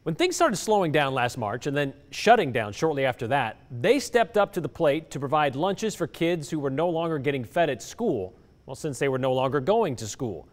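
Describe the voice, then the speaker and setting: A man's voice: a little high, big pitch swings, normal speed, long reverb tail. A middle-aged man presenting a scripted TV news report in a studio, with an emphatic anchor delivery. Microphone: lapel mic.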